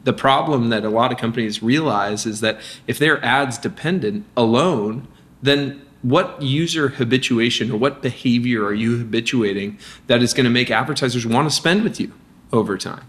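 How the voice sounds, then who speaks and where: A man, a company founder, speaking as a guest in a casual business interview, energetic with lots of restarts and fillers. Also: mid-range voice, moderate pace.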